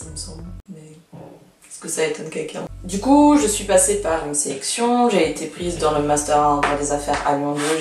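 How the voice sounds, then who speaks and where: A woman's voice: deep voice, a little mellow, roomy sound, distant mic. A woman in her twenties, born in Canada, chatting in a vlog with many fillers and restarts while losing her voice. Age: 20s. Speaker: law student vlogger. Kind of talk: casual vlog chat.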